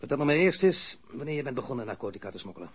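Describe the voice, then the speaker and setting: A man's voice: mid-range voice, very animated, rapid-fire, natural voice. An actor as a stern, sardonic male police interrogator. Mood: firm, controlled. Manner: probing, formal, sardonic. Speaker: actor in a crime drama. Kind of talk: audio drama interrogation dialogue.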